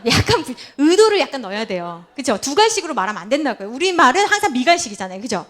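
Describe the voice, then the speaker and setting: Animated, high-voiced woman pastor. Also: racing. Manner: playful, laughing often, quizzing the congregation by name. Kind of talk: lively interactive sermon with role-play. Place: church sanctuary.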